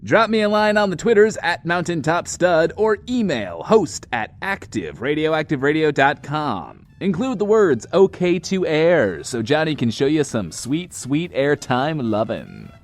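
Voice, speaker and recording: A man's voice: a little high, very animated, unhurried, hardly any pauses. A man playing a boastful, flirty post-apocalyptic radio host, showy and hammy, in an audio drama monologue. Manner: hammy, showy, refers to himself in third person.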